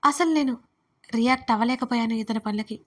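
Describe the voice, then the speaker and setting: A woman narrating a first-person romance story for an audiobook, in an expressive, dramatic way. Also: fairly high pitch, a little fast.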